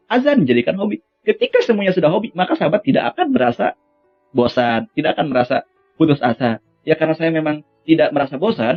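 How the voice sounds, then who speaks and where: A man's voice: on the high side, lo-fi sound. A young man teaching Quran recitation singing in a casual, friendly lesson, with sung chant demonstrations. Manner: friendly, addresses viewers as friends, breaks into melismatic chant. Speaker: vocal coach for Quran recitation.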